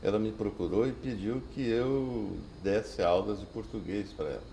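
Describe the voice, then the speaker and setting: There is audible room echo around a man's medium-pitched voice, which has a dark, mellow tone. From Brazil, Goiânia. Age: 60s. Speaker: retired appellate judge. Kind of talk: oral history interview. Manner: formal.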